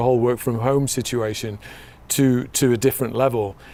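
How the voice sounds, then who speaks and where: With a British accent, a man speaks at a fairly quick pace and medium pitch, his intonation fairly even. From UK. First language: Spanish. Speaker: company CEO. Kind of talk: interview conversation. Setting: outdoors. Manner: repetitive false starts.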